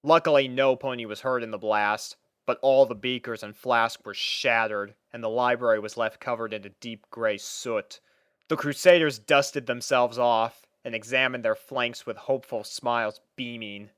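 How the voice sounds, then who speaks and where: A woman narrating a scripted story in an expressive manner. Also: a bass voice, normal speed, clean tone, dry recording, clean studio sound.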